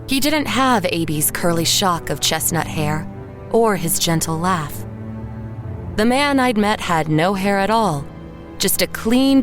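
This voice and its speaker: A slightly low-voiced woman tells her own story as a resigned, uneasy artist. Her delivery is measured and literary, in the manner of an audio drama, with music underneath. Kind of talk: first-person scripted audio drama narration. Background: music behind the voice.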